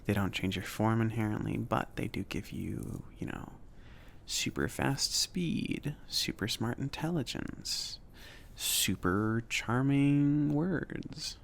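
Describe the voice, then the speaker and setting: A man playing a friendly, awkward mage who runs a potion shop, speaking softly and haltingly in a casual, chatty ASMR roleplay style. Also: mid-range voice, gravelly, a little hiss or hum. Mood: friendly, hesitant. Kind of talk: soft-spoken ASMR roleplay.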